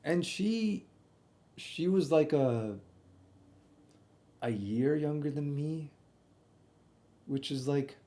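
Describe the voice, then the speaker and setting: A man's voice: fairly high pitch, very slow, long pauses, mellow. A young man telling a casual, slangy stream story, often doubling back and repeating himself as he comments on old videos.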